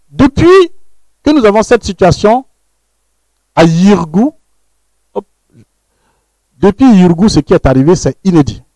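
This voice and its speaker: A man from Burkina Faso, speaking as a panelist in an analytical talk, emphatic and lecturing, often repeating words before dropping low at phrase ends. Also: a little mellow, no room sound, rough recording. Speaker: panelist, researcher.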